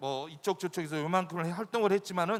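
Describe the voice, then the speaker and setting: With ordinary pitch variation, the talking goes at a fairly quick pace. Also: man. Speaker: comedian and singer contest finalist. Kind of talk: contest presentation Q&A.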